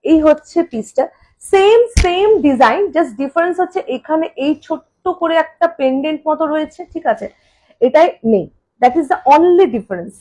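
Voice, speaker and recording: A woman selling jewellery on a live stream. She says each price slowly and more than once, and chats quickly in between. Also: high voice, animated, mellow, rough recording. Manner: repeats prices slowly, then chats fast in bursts. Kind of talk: live-stream sales talk. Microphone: phone camera.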